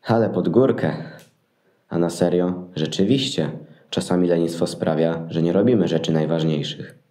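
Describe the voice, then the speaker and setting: Guy playing a grumbly thoughtful shepherd in a nativity radio play, really low voice, roomy echo. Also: normal speed, warm tone, lightly acted. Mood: reflective. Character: grumbling, out-of-shape but thoughtful shepherd man. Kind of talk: amateur Christmas nativity audio play acting. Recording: roomy, echoing sound.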